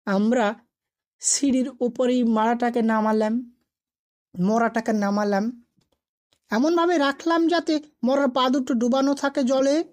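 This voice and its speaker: A woman with a fairly high voice narrates a scripted spooky tale. She reads as a storyteller, telling the ghost story in narrative prose. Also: measured pace, long pauses, a little mellow.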